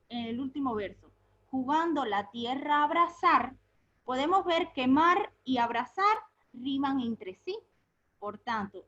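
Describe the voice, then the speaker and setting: A woman teacher giving a recorded remote lesson, patiently asking her pupils questions, answering them herself and repeating key words slowly. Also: high voice, a bit bright, dull audio.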